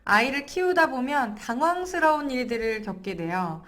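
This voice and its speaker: A woman in her thirties, a parenting coach, explaining calmly and gently to camera and sometimes acting out what was said. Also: high-pitched, moderate pace. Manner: gentle, explanatory, acts out quoted lines. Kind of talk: to-camera parenting lesson with personal anecdote.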